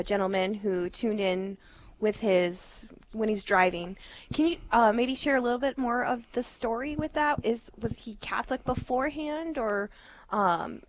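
A woman's voice: on the high side, no room sound, low-quality recording. A woman co-hosting a radio fundraiser, reading out donors in an upbeat way and giggling often. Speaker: radio co-host. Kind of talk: reading donor names on air.

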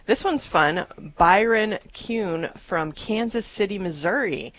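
A woman's voice: mid-range voice, animated, takes it slowly, a bit bright. A woman hosting a live radio fundraiser, upbeat and chatty, thanking donors and repeating the phone number.

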